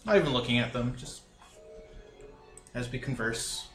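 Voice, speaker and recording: Guy narrating his character at the game table, firm, measured, echoey room. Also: medium pitch, lively intonation, a bit bright, faint music behind. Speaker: player.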